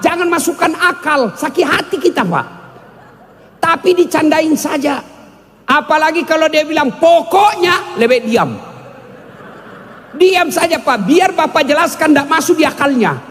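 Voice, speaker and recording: A man's voice: extremely high pitch, fairly bright tone. A man preaching a humorous sermon, joking with the audience and sometimes breaking into song. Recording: long hall reverb.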